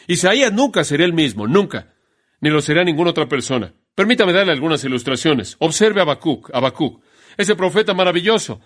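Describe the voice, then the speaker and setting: A man preaching a sermon in an emphatic way, slowing down to stress key phrases. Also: fairly high pitch, a bit bright.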